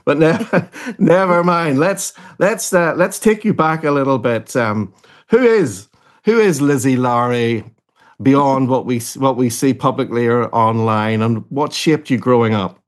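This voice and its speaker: A man hosting a daytime Christian radio show, introducing and interviewing a guest in a gentle, measured way, sometimes repeating words when unsure. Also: mid-range voice, expressive.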